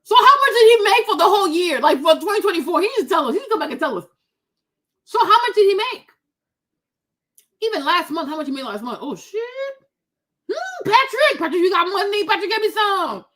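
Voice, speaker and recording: A woman doing casual reaction commentary on a video, exclaiming loudly and laughing often. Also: very high voice, very animated, a little fast.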